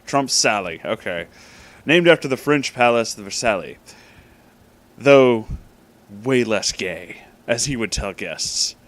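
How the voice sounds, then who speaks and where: Here a man with a mid-range voice reads fan fiction aloud as casual comedic storytelling. He's animated yet takes it slowly, pausing often, and his hosting is informal, emphatic, and dramatic.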